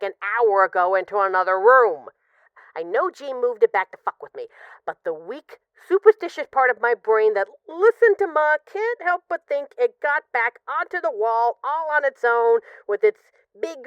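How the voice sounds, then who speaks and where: A woman's voice: a little high, lively intonation, clear, resonant tone, no room sound, muffled recording, close to an everyday voice. A woman playing a possessive, lovesick mafia boss in an intimate, conversational audio roleplay of voicemails. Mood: wry, exasperated. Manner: conversational, teasing, halting when emotional.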